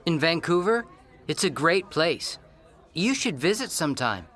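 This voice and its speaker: A friendly adult sales manager, played by a man, with a slightly raised, lively voice. He answers quickly and chattily. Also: a little high, voice pushed up, full character voice.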